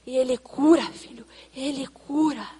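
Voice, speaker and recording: A woman playing an excitable, chatty mother in a comic church sketch, retelling events dramatically with quoted asides. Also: high voice, moderate pace, breathy edge, in a large hall. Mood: tender.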